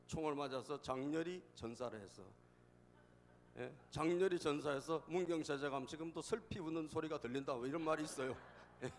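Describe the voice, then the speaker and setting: Higher-voiced pastor preaching in a reverberant hall. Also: male voice, a little hiss or hum. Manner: storytelling with jokes, often prompting the congregation with "예?"; emphatic repetition of key phrases. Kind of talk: sermon. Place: church sanctuary. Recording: long church hall reverb.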